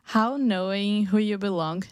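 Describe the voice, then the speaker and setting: A woman's voice: medium pitch, a little mellow, smooth, dry recording, clean studio sound. Brazilian woman hosting Christian radio talk. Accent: Brazilian Portuguese. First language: Portuguese. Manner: friendly, halting, with frequent fillers and restarts. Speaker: radio show host.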